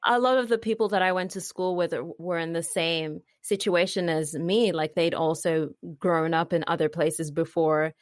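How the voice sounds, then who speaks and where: Teen girl host, kinda low voice, dry sound, chatty, says like a lot. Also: steady tone, normal speed, hardly any pauses, dry recording. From Zimbabwe, raised in London and Beijing. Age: teens. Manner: chatty and upbeat, uses "like" a lot. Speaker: podcast host. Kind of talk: casual conversational interview.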